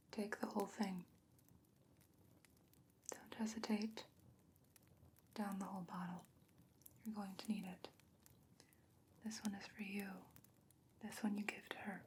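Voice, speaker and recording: A woman playing a gentle, solemn sorceress in a whispered fantasy ASMR roleplay, breathy, hushed and measured. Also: medium pitch, level tone, slight background noise, close to an everyday voice. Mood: quietly caring. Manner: slow, measured, hushed delivery. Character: gentle, solemn sorceress sending a pirate friend off.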